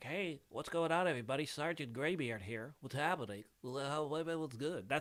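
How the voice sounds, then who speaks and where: Putting on a squeaky character voice, a man speaks at a fairly high pitch and a moderate pace with ordinary pitch variation. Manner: cheerful greeting.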